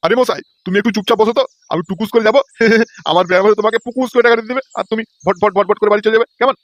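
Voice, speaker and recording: A man's voice: high-pitched, steady tone, racing, fairly bright tone, no room sound, muffled recording. A man playing a stingy, scheming old father-in-law in a comedy cartoon, talking in a wheedling, folksy way. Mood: sly, wheedling. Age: older.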